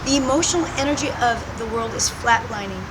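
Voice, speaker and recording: A woman's voice: on the high side, fairly quick, a little hiss or hum, low-quality recording. A woman reading aloud from a motivational manifesto. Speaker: reader.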